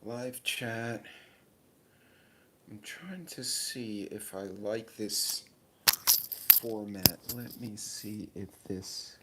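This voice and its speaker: A man, hoarse from his sinuses, hosting a casual live stream, rambling and joking at himself while greeting viewers by name. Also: lowish voice, drawn-out words, long pauses, very noisy. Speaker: channel host. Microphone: tablet mic in vertical live stream.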